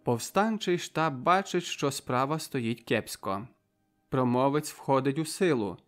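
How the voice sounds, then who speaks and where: A man's voice: mid-range voice, expressive, measured pace, a bit bright, soft background music. A man reading a novel aloud as audiobook narrator, in a vivid, dramatic manner.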